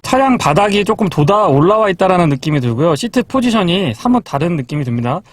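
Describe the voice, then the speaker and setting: A man's voice: high voice, very animated, quick pace, no room sound. A man presenting a test-drive review as a car reviewer, explaining things politely.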